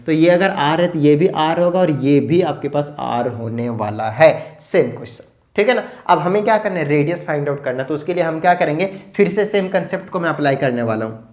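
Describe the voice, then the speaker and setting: A man's voice: a little high, animated, darkish tone. A man teaching a maths lesson at speed, often asking the students whether they follow. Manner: fast-talking, asks rhetorical check questions.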